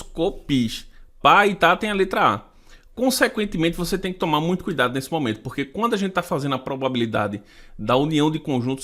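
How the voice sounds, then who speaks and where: A man with a Brazilian Portuguese accent teaches a math class, solving exam questions one step at a time. His voice sits a little high, and he counts items out loud and puts rhetorical questions to his students as he goes.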